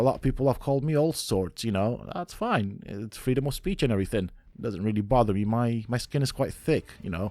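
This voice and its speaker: On a very clean recording with a silent background, a man with a slight non-native accent speaks at a moderate pace and medium pitch, with ordinary pitch variation and a dark, mellow tone. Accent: slight foreign. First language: not English. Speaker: gaming YouTuber. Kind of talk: casual talk to camera.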